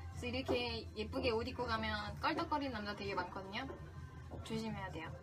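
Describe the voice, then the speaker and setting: A high-voiced woman from South Korea hosts an informal podcast lesson on English pronunciation. She is giggly and conversational, and demonstrates sounds as she teaches. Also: fairly quick, music in the background.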